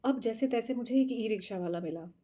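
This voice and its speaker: Woman, casual vlog storytelling, animated, frequent laughter, mixes in English phrases, mellow voice. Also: on the high side, a little fast. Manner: animated, laughs often while retelling. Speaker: tarot channel host.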